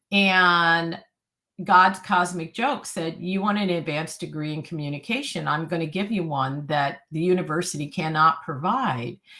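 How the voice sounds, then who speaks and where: A woman speaks in a plain, everyday voice at a fairly low pitch and moderate pace, with ordinary pitch variation. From US Midwest, Illinois. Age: 60s. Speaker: author and spiritual medium. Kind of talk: interview testimony.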